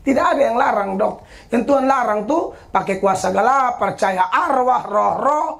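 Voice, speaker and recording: Female pastor, 40s, high gravelly voice, emphatic preacher. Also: normal speed. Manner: animated, emphatic, often shouting and laughing. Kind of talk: sermon.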